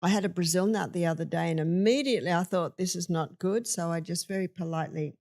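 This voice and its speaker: A woman's voice: fairly low pitch, fast, darkish tone. An older woman speaking as a guest in a conversational interview, emphatic and storytelling, acting out quotes. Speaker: health speaker.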